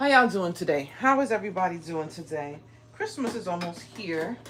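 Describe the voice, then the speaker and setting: Speaking with an American accent, a woman swings her pitch very widely while audible room echo and noticeable background noise fill the recording. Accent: New York accent with some Guyanese. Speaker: crafter. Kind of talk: live stream craft tutorial. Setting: live stream. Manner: casual, chatty.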